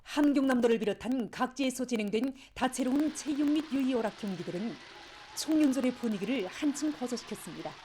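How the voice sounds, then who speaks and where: A woman's voice: a little high, expressive, a little fast, dark tone, a little hiss or hum. A woman with a North Korean accent reading formal scripted news in a solemn, declamatory state-broadcast manner. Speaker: news announcer.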